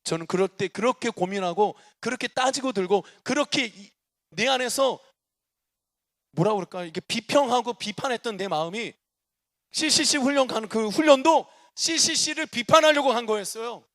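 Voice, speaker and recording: High bright-voiced Korean preacher. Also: male voice, normal speed. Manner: animated testimony, shifting between loud declarations and soft asides. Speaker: guest preacher. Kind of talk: sermon. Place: church sanctuary.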